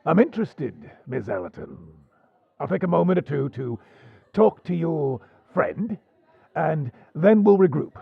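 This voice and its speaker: Pirate overlord: husky and gravelly, wildly expressive melody, shrewd, genial, theatrical, swashbuckling audio drama. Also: male voice, fairly high pitch, dry recording, narrow, tinny audio, full character voice. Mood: amused, sly. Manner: deliberate, insinuating, theatrical, formal phrasing. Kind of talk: swashbuckling audio roleplay acting.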